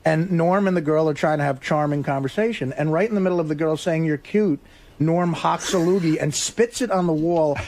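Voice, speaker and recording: A man's voice: a little high, a little fast, a little mellow. A man chatting casually as a comedian sidekick on a radio show, telling anecdotes.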